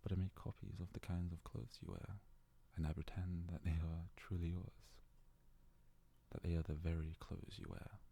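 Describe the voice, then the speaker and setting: A man playing a devoted, self-abasing young yandere fox-boy servant in an ASMR roleplay, worshipful and hesitant, often slipping into breathy whispers. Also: deep voice, level tone, normal speed, warm tone, exaggerated voice. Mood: sheepish confession. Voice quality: husky, gravelly, breathy, often dropping to a whisper.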